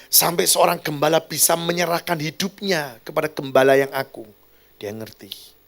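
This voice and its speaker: A male pastor preaching a sermon in an animated way, swinging from loud to quiet and addressing the congregation directly. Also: fairly high pitch, moderate pace, creaky. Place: church hall.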